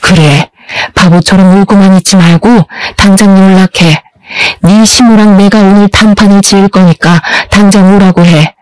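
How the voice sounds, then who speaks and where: A woman's voice: medium pitch, fairly even intonation, moderate pace, a little mellow, clear, resonant tone, no echo, lightly acted, poor audio. A woman voicing a fierce, protective older mother who scolds bluntly in a storybook narration. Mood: scolding.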